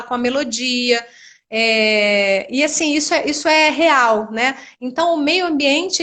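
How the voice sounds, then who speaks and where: A middle-aged woman with a notably high voice, explaining in a patient, teacherly way. She speaks as a speech therapist on a live video call, with homely examples. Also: a bit bright. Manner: didactic, explains with everyday examples. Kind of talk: explanatory live-stream chat.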